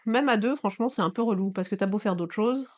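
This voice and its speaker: Co-hosting a casual board game review chat in French, which isn't her first language, a woman talks fast in a medium-pitched voice. Her manner is hesitant and playful, full of fillers.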